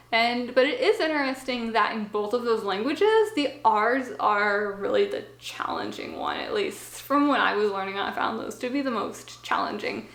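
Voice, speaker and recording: Young woman vlogger, casual and chatty, slightly high voice, echoey small room. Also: fairly bright tone. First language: English. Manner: chatty, with frequent fillers and asides. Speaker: language-learning vlogger. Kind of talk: casual explanatory talk to camera. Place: small home office.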